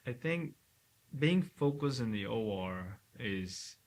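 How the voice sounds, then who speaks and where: A man from Cameroon, a neurosurgeon, talking calmly and often checking in with "right?" as a guest. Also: medium pitch. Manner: calm, measured, ends points with "right?". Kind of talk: casual interview talk.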